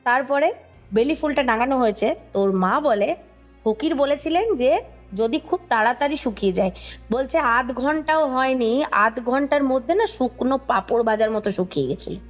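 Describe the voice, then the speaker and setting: Her voice fairly high and her pace normal, a Kolkata Bengali woman guesting on a podcast recounts a ghost story conversationally, filling in details and often making sure the listener follows. Music plays behind her, and the recording sounds muffled.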